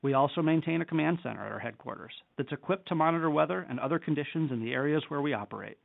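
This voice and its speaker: A man reading a scripted corporate presentation as a company executive in a measured, formal delivery. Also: fairly high pitch, gravelly. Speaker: company executive on an earnings call. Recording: narrow phone-line conference call audio.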